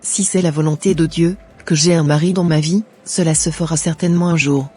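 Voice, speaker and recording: Man playing a young Christian woman in a cartoon, earnest, husky, soft music behind. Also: a little high, fairly even intonation, brisk. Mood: resolved. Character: young Christian woman wanting cosmetic surgery. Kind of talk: amateur cartoon voice acting.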